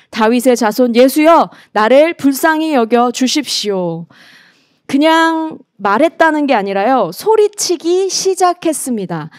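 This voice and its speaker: Lively woman preaching to teens. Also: high-pitched, no room sound, studio quality. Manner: lively storytelling, acts out scripture quotes; asks the teens questions and calls them by name. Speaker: youth ministry evangelist. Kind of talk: youth sermon over video call.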